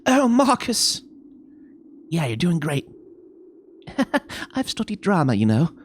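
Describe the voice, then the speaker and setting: Animated, high-voiced man doing gaming commentary. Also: takes it slowly, slight background noise. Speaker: let's player voicing game characters.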